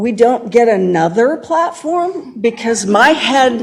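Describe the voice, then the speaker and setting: Over noticeable background noise, the speaker talks at a very slow pace with very wide swings in pitch. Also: woman. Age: 50s. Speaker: university staff member. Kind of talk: audience question at staff meeting.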